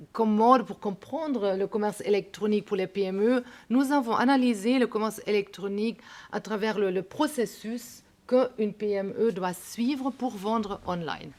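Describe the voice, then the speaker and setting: A woman economist on a panel, speaking carefully and deliberately in a language that is not her first, often pausing to search for words. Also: mid-range voice. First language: not French. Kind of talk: panel talk.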